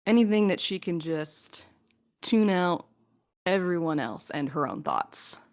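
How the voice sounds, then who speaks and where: A woman's voice: fairly low pitch, animated, a little slow, a little mellow. A woman co-hosting a podcast, casually answering listener questions in a joking, casually sweary way. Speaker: podcast host and crew member.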